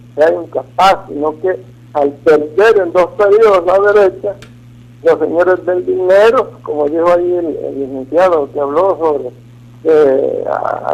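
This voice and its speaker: A fairly slow pace with ordinary pitch variation. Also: man. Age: 20s. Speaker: caller. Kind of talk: call-in comment.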